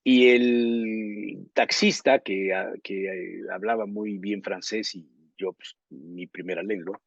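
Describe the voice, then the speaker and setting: Husky-voiced Mexican male co-host with a lowish voice, rambling story-teller, dry muffled sound. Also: fairly even intonation, slow, no echo. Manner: rambling anecdotes, searching for words, laughing. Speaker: journalist co-host. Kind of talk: casual talk show chat.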